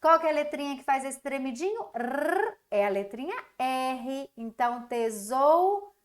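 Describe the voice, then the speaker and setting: A Brazilian woman with a high voice gives a recorded lesson to young children. She speaks slowly, sounding out syllables in a sing-song way and praising the class. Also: lively intonation. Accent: Brazilian Portuguese. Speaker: primary school teacher.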